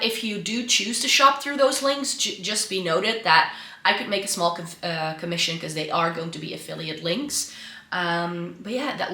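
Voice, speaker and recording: A woman's voice: medium pitch, sharp tone, roomy sound. Congested woman from the Netherlands, chatty. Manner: chatty, with frequent ums and restarts. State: congested and slightly raspy from flu. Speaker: beauty vlogger. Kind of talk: casual chat to camera. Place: home room by a Christmas tree. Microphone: camera mic, set some way off.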